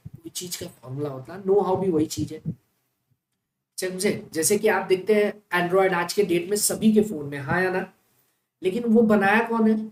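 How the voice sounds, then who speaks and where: A woman teaching an accounting class in speech, often asking the class check questions and slowing down to spell out key terms. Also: mid-range voice, darkish tone. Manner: stretches out key terms slowly, as if for dictation. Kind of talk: classroom lecture. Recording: echoey classroom with faint noise.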